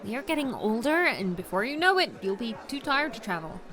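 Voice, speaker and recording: An actress playing an outgoing vlogger and doting, nagging friend, a young adult with an expressive, teasing manner in a naturalistic audio drama. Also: female voice, a little high, fairly quick, crowd noise.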